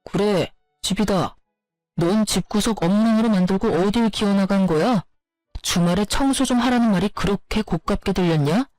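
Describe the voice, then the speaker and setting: A woman's voice: mid-range voice, moderate pace, darkish tone, dry recording, lightly acted. Lady doing a grumpy tired husband, short and snappy, dry sound, faint music. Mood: irritated. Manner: curt, defensive, annoyed. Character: irritable, tired husband in his thirties.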